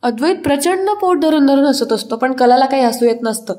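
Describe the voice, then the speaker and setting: A woman tells the events of a TV serial episode in casual, chatty narration. She links quotes with the same repeated lead-in. Her voice sits a little high. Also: lively intonation, fairly quick, warm tone. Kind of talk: casual story recap narration.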